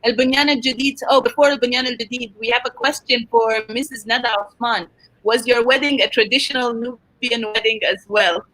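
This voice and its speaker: A woman's voice: fairly high pitch, steady tone, fairly quick, bright, forceful tone, dry recording, poor audio. A woman hosting a live online panel discussion. She reads out viewer comments and answers them, and turns firm and passionate when she sets a point straight. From Sudan, grew up in Egypt. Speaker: panel host.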